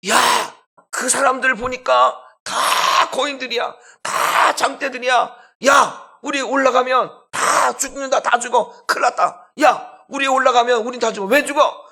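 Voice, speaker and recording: A male pastor acting out panicked ancient Israelite men who shout in alarm and wail. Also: extremely high pitch, normal speed, vocal fry, few pauses, voice pushed up, exaggerated voice.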